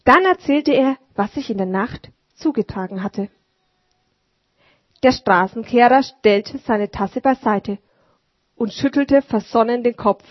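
A woman reads a storybook aloud in a calm, measured way. Her voice is fairly high, breathy and slow. The recording is dry and close, and dull and lo-fi. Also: dry recording. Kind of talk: storybook reading.

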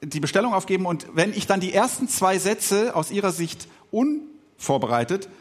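A middle-aged pastor whose first language was Swiss German delivers a podcast sermon in a reflective manner. His voice is a little high for a man and swings widely in pitch, rising and falling a great deal, and he pauses often, filling gaps with soft hesitation sounds.

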